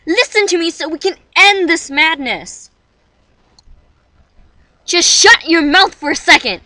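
Woman doing an anime girl, super emotional and theatrical, high piercing bright voice, big swoops. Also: expressive, a little slow, no room sound, full character voice. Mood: angry. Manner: theatrical, intense.

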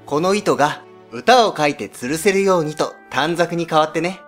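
A man voicing a polite, devoted young man in a scripted educational story, speaking earnestly and gently. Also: fairly high pitch, normal speed, soft background music, lightly acted. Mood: tender, earnest.

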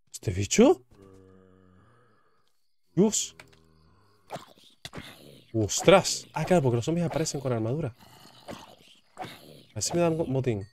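Young man, relaxed gameplay commentary, warm darker voice, repeats himself. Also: mid-range voice, slight background noise. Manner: chatty, repeats words, jokey asides. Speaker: gaming YouTuber.

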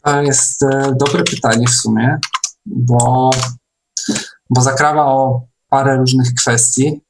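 Man chatting casually, halting delivery. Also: medium pitch, level tone, gravelly, slight background noise, rough recording. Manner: halting, repeats words. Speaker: online meeting host. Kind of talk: casual online discussion.

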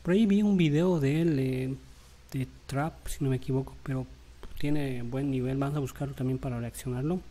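A man, chatting through a reaction video in a halting way with frequent tag questions. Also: medium pitch, mellow. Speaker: vlogger reacting to rap battle. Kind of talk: casual reaction commentary.

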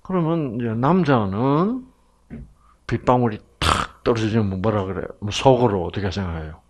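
A man's voice: on the low side, animated, normal speed. A man with a Gyeongsang Korean accent giving a humorous lecture to an audience as a health program lecturer, telling jokes like a storyteller and asking the audience questions.

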